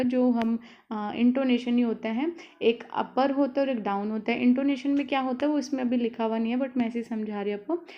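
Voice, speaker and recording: A woman's voice: a little high, lo-fi sound. A woman tutor giving a casual exam-prep lesson, explaining in a chatty way with many fillers. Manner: explanatory, chatty, with frequent fillers and "theek hai". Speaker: online tutor.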